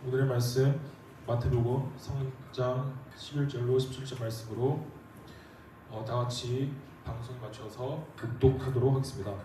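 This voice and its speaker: A man leads the service in a quiet, slightly hesitant way. His voice is dark and mellow. He sounds distant, caught from across an echoey chapel. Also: mid-range voice, fairly even intonation, normal speed, a little hiss or hum. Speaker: worship leader. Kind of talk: leading a church service. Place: military chapel. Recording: echoey chapel, heard from far off.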